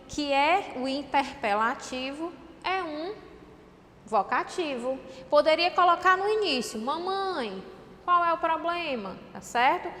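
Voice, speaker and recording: A Brazilian woman teaching a class with a high, clear voice. She explains each point patiently and keeps asking her students whether they follow. Her voice rings in a long reverb with faint noise behind it. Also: fairly bright tone. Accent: Brazilian Portuguese. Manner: explains step by step, often checks in with "tá certo?". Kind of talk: online class lecture.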